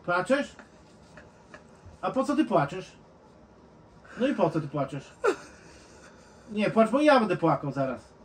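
A man's voice: high-pitched, sing-song, unhurried, long pauses, slight background noise. A man in casual chat, coaxing and insistent, who soothes the other man when he cries.

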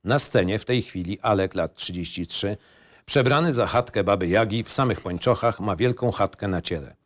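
A man with a fairly low voice narrates a film script. He reads out scenes and stage directions as the narrator of an audio play. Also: moderate pace.

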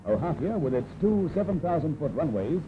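A man narrates an old newsreel in a formal, announcing way, his fairly high voice rising and falling with lively emphasis. The sound is thin and tinny, like a phone line. Loud music plays beneath him. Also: fairly quick.

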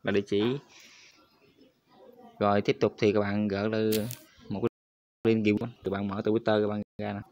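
Guy doing a quick tutorial voiceover, keeps saying "you guys" to viewers, lowish voice, kinda monotone. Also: muffled recording. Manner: repetitive, addresses viewers constantly as "các bạn". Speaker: crypto tutorial host. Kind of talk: screen-recorded step-by-step tutorial.

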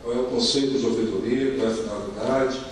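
A middle-aged man with a Brazilian accent giving a formal, partly improvised conference talk, halting and repeating words as he searches for phrasing. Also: mid-range voice, fairly even intonation. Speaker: conference speaker. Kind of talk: semi-extempore formal presentation. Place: indoor conference hall at a lectern. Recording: echoey hall, distant mic, faint noise.

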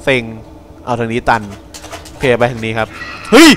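A man's voice: mid-range voice, completely flat delivery, normal speed, fairly bright tone, a little hiss or hum. A young man giving casual, crude, joking commentary while playing a horror game, talking back at the game. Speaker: gameplay commentator.

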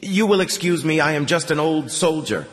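A man doing a hardened old soldier, blunt and mocking, pitched a bit higher than the narration. A long reverb trails his words. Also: lively intonation, normal speed, close to an everyday voice. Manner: blunt, sarcastic, businesslike. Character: gruff middle-aged male soldier leader, blunt.

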